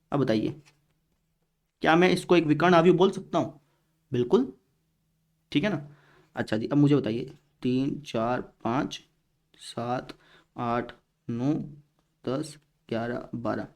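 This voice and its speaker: A man teaching a math lesson in a conversational classroom style, with a Hindi-speaking north Indian accent, often asking his students if they are following and answering in their voice. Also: a little high. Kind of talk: classroom lecture.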